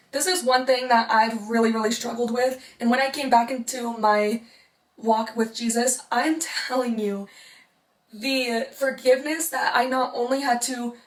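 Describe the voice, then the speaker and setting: A young woman speaks heartfelt advice straight to her viewers, her voice worn and fading from overuse. She talks in a higher register and leans on repetition for emphasis. The sound carries the ring of an echoey room. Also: far from the mic. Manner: earnest, heartfelt, repeats for emphasis. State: losing her voice. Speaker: vlogger. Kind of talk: casual motivational talk to camera.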